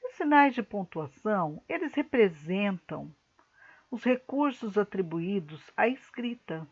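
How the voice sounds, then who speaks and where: A woman teacher giving a recorded lesson to a school class, explaining slowly and carefully with examples. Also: mid-range voice, very animated, slightly rough, highs cut off.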